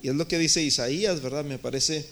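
A man's voice: a little high, fairly quick, a bit bright. A man preaching a sermon as pastor, calling his listeners brothers and swinging his voice up and down for emphasis. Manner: addresses listeners as brothers, rising and falling emphasis. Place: church in the United States.

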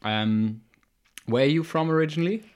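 A man's voice: a little high, normal speed, clean tone. A young man hosting a podcast, talking casually with a lot of hesitation and filler words. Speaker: podcast host.

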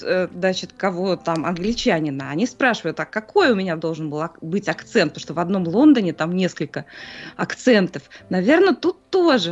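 Calm middle-aged woman, dull lo-fi audio. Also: mid-range voice. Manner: calm and explanatory, reasoning things through. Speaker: podcast co-host. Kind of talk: casual podcast discussion. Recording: slightly dull lo-fi sound.

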